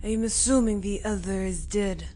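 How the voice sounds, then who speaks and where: A woman's voice: medium pitch, moderate pace, mellow, pitched below the performer's own voice, close to an everyday voice. Woman doing a haughty, petulant young prince. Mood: indignant, haughty. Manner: indignant, stiff, entitled. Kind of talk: scripted sci-fi audio drama.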